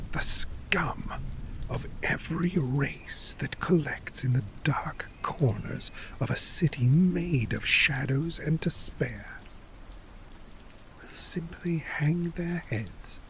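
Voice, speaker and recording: A man playing a jaded, shrewd guard commander in a fantasy ASMR role play, speaking with measured, condescending theatricality and dramatic pauses in a gravelly, breathy voice. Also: medium pitch, darkish tone, a little hiss or hum. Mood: scornful, intense.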